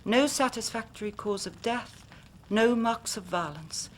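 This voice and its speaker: An actress playing a young woman who earnestly recounts a tragedy to a detective, often dropping to a hush. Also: on the high side, animated, measured pace. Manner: earnest, dramatic storytelling with hushed passages. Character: young woman recounting her sister's death. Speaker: client telling her story. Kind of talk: radio drama acting.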